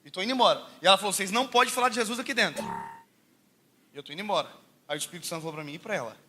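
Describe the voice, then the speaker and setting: A high-pitched man from Brazil preaches with rapid, bright energy, telling stories that keep breaking into laughter. He swings between shouted lines and quiet asides. A faint ambient hum sits behind his voice. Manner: animated, jokey, laughs often, swings from loud to hushed. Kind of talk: sermon with comic storytelling.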